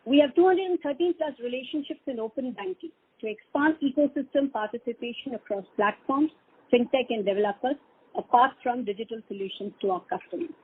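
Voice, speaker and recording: A woman's voice: sits high, a little fast, slightly rough. A woman with an Indian accent reading a scripted corporate results presentation as a bank executive on a conference call. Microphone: conference call line. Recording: dull, lo-fi conference call line.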